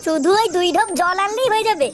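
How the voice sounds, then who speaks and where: A woman's voice: very high-pitched, animated, fast talker, faint music behind. A woman voicing a cheeky, boastful, foul-mouthed young village lad in a comedy cartoon. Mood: matter-of-fact. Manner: brash, slangy, swearing.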